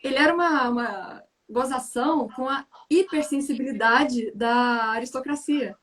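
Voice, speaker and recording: A woman's voice: high-pitched, normal speed. A Brazilian woman hosting a casual chat, telling stories animatedly. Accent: Brazilian Portuguese. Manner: animated storyteller, frequent tag questions. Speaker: host.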